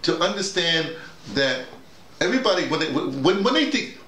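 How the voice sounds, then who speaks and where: A middle-aged man talks through his ideas as a workshop leader, with pitch that swings widely. He is emphatic, repeating words and acting out little examples. The sound is roomy, with some echo. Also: big pitch swings, moderate pace, bright, forceful tone, a little hiss or hum. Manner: emphatic, illustrating points with acted-out examples and repetition. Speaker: audio drama workshop leader. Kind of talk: animated informal discussion. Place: small bedroom with bare walls. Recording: roomy, echoey indoor sound.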